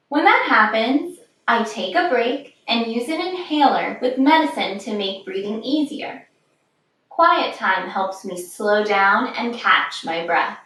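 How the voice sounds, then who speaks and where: A woman reading a children's picture book aloud in a measured, expressive storytelling manner. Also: fairly high pitch. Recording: distant, very echoey room.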